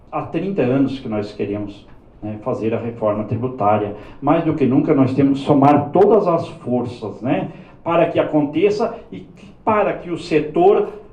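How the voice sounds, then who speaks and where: With audible room echo and noticeable background noise, the voice makes very wide pitch swings and big swings in loudness. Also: man, fairly high pitch for a man. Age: 60s. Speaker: politician. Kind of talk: panel discussion. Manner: halting.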